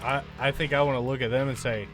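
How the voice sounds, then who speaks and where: A man's voice: medium pitch, steady tone, quick pace. A man chatting casually as a player in a tabletop roleplaying game. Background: guitar-led music bed.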